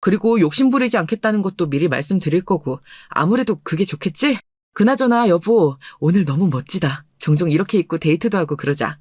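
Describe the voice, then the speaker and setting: A humble, sweet-natured young husband , acted out by a performer, speaks eagerly and earnestly in a storybook radio drama. The voice sits at a middle pitch and is recorded close and dry. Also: expressive, fairly quick, a little mellow, breathy edge, no room sound.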